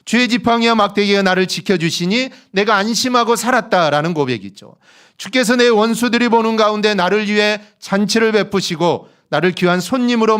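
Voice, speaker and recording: Male pastor in the pulpit, high and lively voice, preaching with rising emphasis and rhetorical questions. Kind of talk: sermon. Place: church sanctuary.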